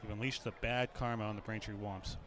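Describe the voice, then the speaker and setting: A man calling the play-by-play at a local football game, brisk and fond of light joking banter. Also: fairly low pitch, little pitch movement. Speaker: play-by-play announcer.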